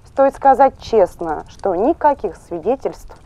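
A young woman giving formal, explanatory commentary as a television expert in a measured manner. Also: medium pitch, lively intonation, dark tone. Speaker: studio guest playing scientific expert.

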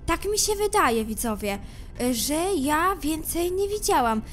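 A woman commenting on a game she is playing. She speaks to her viewers, moving from hushed suspense to loud panicked shouting. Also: sits high, sing-song, unhurried, faint music behind. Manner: talks straight to viewers, swings from hushed suspense to screaming panic. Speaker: gameplay commentator.

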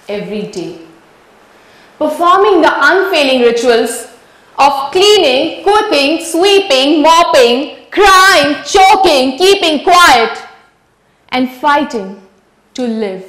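Young woman reciting slowly, high voice. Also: fairly bright tone. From India. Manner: measured, rhythmic recitation with swelling lists. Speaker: spoken-word performer. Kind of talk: dramatic spoken-word monologue. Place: large wooden-walled hall. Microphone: stand mic. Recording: roomy hall.

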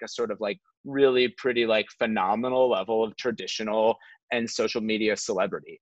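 A man in his thirties talking earnestly and haltingly at a roundtable over a video call, hedging as he makes an impassioned point. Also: fairly low pitch, fairly bright tone. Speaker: theatre artist, panel guest. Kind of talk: impassioned casual roundtable talk. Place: living room at home, on a video call. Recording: muffled, roomy video-call audio.

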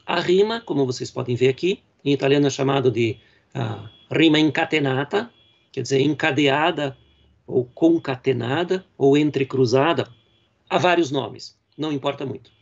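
A male professor from Brazil giving a university lecture on poetry, explaining patiently with frequent fillers and reading verse lines slowly. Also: mid-range voice, vocal fry, muffled recording. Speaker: literature professor.

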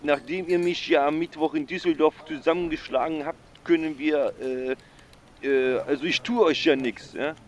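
Guy doing a flustered secret agent caller, stammers a lot, bit high, faint street noise. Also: fairly even intonation, normal speed, natural voice. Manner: stammering, constant ums. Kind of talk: radio play acting.

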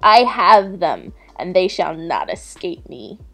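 A woman's voice: on the low side, expressive, normal speed, faint music behind, poor audio. A woman voicing a wicked, greedy old witch in a storybook tale, gloating and commanding.

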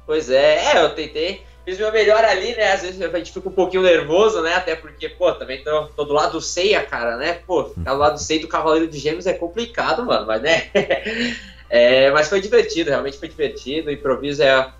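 High-ish young Brazilian man, echoey call. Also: animated, brisk, faint music behind. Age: 20s. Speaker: interview guest, aspiring voice actor. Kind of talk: casual chat, slangy. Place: plain room at home. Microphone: video call, some distance from device. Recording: dull, echoey video call.

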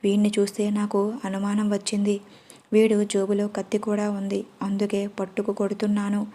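A woman's voice: medium pitch, completely flat delivery, moderate pace, mellow, close to an everyday voice. A woman voicing a fierce, blunt young woman who threatens and explains herself, in a storybook reading.

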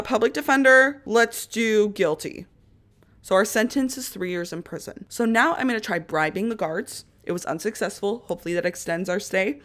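A young woman with a raspy voice, still recovering from a cough, chatting through a mobile game walkthrough as a gaming channel host. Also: mid-range voice, fairly bright tone. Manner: chatty, upbeat, narrates each step. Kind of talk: casual game walkthrough commentary.

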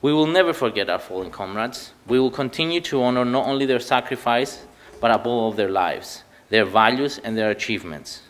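Speaking for his party at a commemoration event, this Greek-speaking man from Cyprus, in his thirties, reads a prepared political address in a Cypriot accent. His pitch is medium and his delivery animated, yet earnest and measured, with emphasis placed on important words.

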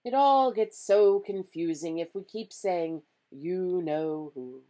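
A woman voicing a gentle, courtly old male wizard in a storybook, speaking in a genial, measured way. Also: fairly low pitch, pitched above the performer's own voice. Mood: patient. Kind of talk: storybook character reading.

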